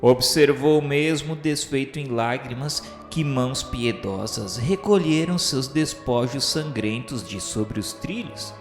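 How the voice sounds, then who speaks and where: A man's voice: medium pitch, lively intonation, takes it slowly, hardly any pauses. A Brazilian man narrating a radio novel in a solemn, dramatic, grandiloquent literary style, with formal declamation. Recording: echoey, long reverb, music underneath. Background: music.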